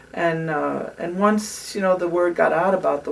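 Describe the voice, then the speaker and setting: Against noticeable background noise, a woman talks at a moderate pace in a fairly low voice. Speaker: former peace camp organizer. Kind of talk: oral history interview. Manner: animated.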